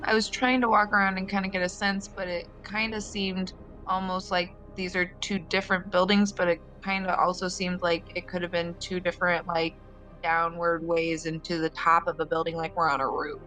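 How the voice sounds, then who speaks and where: Bright-voiced female tabletop gamer. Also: on the low side, steady tone, normal speed, low-quality recording. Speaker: roleplaying game player. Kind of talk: casual game chat. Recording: music under the voice. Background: background music.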